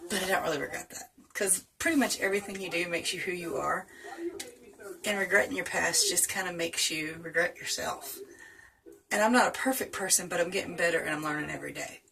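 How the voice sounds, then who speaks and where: Gravelly-voiced southern woman, chatty. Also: lowish voice, brisk, pushed and bright, low-quality recording. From North Carolina. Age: 30s. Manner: chatty and self-mocking, laughs often. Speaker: vlogger. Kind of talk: casual question-tag vlog.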